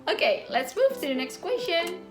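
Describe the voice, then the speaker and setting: A young woman, a study abroad student talking softly and giggling in a casual Q&A. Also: extremely high pitch, big pitch swings, normal speed, faint music behind. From Indonesia. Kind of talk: casual Q&A chat.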